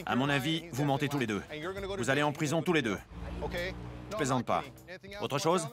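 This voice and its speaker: A man's voice: mid-range voice, lively intonation, normal speed, music in the background, close to an everyday voice. A man dubbing a police officer who talks in a curt, sarcastic way. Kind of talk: dubbed reality-show dialogue.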